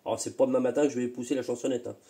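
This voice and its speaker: A man's voice: medium pitch, fairly even intonation, racing, dark tone. A man with a slight cold, hosting a casual workshop vlog, talking in a rambling way full of hesitations and repeated words. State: still a bit congested from a cold. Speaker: moped engine tuner and channel host.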